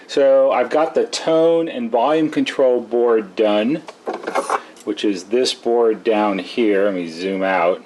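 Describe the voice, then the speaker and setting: A man's voice: fairly low pitch, slight background noise. A man giving an unscripted, methodical, explanatory walkthrough of a hands-on electronics repair as a technician. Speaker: electronics repair technician hosting a rebuild video. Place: indoors at a repair workbench.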